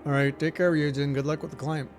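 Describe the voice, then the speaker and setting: A man whose first language is French, streaming a game and chatting casually in a relaxed, musing way that often trails off. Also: on the high side, quick pace, soft background music. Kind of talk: casual gameplay commentary.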